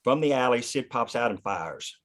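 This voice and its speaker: A man's voice: mid-range voice, lively intonation, normal speed, fairly bright tone. A man narrating scripted action and scene headings at a screenplay table read. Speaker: narrator reading stage directions.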